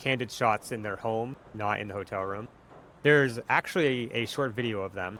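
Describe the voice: The text is simply read out loud, the pitch rising and falling in a normal way.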